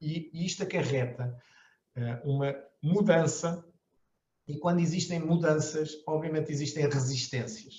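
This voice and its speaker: A man's somewhat breathy, fairly high-pitched voice at a fairly slow pace, with ordinary pitch variation. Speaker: company director and university lecturer. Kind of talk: conference Q&A. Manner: halting, many fillers and repetitions.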